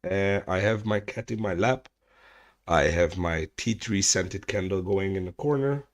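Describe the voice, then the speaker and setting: Man, slow unhurried delivery, lowish voice, casual rambling livestream chat, swears, restarts sentences. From Hungary. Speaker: streamer hosting a chat hangout. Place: at home.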